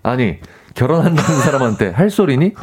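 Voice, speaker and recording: A man's voice: mid-range voice, very animated, a little fast, darkish tone, slightly rough. A man co-hosting a casual radio chat, reading listener stories aloud, laughing often and acting out quoted lines.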